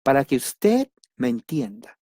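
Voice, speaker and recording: A man teaching a church doctrine class, speaking deliberately in simple words and repeating key words for emphasis. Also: medium pitch, very animated, warm tone, no room sound, clean studio sound. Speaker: Bible study teacher.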